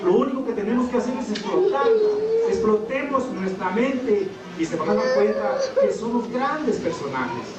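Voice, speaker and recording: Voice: medium pitch, very animated, normal speed, muffled recording. Formal radio host, echoey and far off. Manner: warm, formal, addresses listeners as brothers and sisters. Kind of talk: live radio interview hosting. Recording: echoey room from far off, loud noise.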